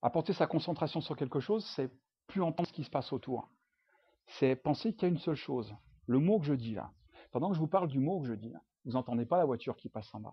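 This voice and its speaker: A somewhat breathy man with a fairly high pitch talks very fast with lively intonation. He leaves long, frequent pauses. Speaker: hypnotherapist and coach. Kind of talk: public hypnosis workshop talk.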